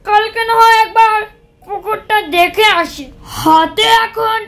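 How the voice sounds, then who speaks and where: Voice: extremely high pitch, unhurried, fairly bright tone, slight background noise, exaggerated voice. A performer voicing a scheming, nosy village relative in a cartoon. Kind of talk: cartoon story dialogue.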